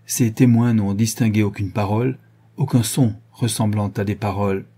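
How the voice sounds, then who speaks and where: A man reads a young gentleman detective in an audiobook, laying out his deductions with cool method. The voice is very dark and husky, and the delivery stays calm and measured, like a patient lecture. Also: fairly low pitch. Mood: reasoning. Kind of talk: audiobook reading.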